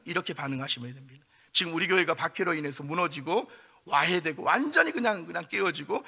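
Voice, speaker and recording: A man preaching a Friday prayer meeting sermon in church, swinging from loud pleading outbursts to low, quiet asides. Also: gravelly. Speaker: pastor. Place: church sanctuary.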